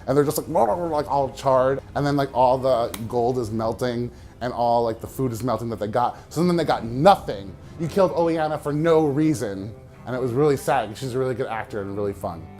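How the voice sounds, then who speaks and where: A man in casual year-in-review chat, retelling TV scenes in an animated way with shouted sound effects. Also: mid-range voice, fairly quick, soft background music. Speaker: comics commentator.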